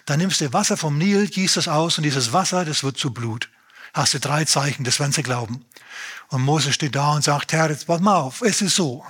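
Husky guy preaching, retells bible stories like a chat, acts out the lines, voice on the higher side. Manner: animated, acts out dialogue in a conversational tone. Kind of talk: lively sermon retelling scripture.

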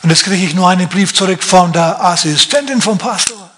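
A man's voice: sits high, fairly quick, a bit bright. A man voicing a demanding, entitled churchgoer who complains about being answered only by staff. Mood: whiny. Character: whiny entitled male churchgoer.

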